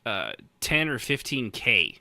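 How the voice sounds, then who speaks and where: A man's voice: mid-range voice, wildly swooping pitch, takes it slowly, gravelly, pushed and bright, no echo. A man in his late thirties hosting a casual podcast, rambling and joking with irreverent, teasing asides. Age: late 30s. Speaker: podcast host.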